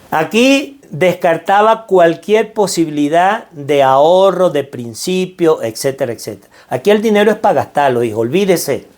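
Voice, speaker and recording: The voice is a little high with a darkish tone: a middle-aged man with a Venezuelan Spanish accent. He gives a preacherly, earnest motivational talk about financial mindset. Phrases get repeated for emphasis.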